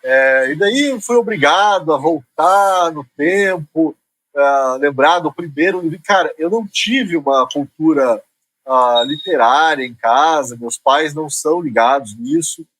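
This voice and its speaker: A middle-aged man from Curitiba with a local accent, a guest talking in a relaxed, self-deprecating way. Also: fairly high pitch, a little slow, low-quality recording. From Curitiba, Brazil. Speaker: guest columnist. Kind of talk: casual interview chat.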